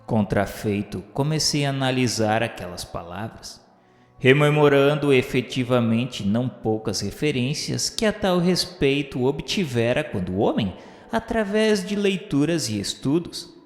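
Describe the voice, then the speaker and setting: A man with a Brazilian accent acting as a solemn, remorseful scholar's spirit, narrating a radio drama in measured, literary phrasing. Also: mid-range voice, expressive, lightly acted. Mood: reflective, contrite. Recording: echoey hall reverb under music. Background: music.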